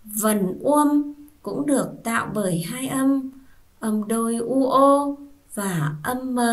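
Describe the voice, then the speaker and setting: A woman teacher giving a first-grade reading lesson, patiently spelling out sounds and asking the children to repeat. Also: a little high. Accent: Vietnamese. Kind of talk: slow, clear classroom reading lesson.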